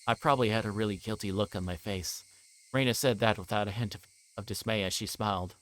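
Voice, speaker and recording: A man's voice: on the low side, quick pace, fairly bright tone, rough recording. A man livestreaming a visual novel, reading the text aloud and sometimes stumbling and correcting himself.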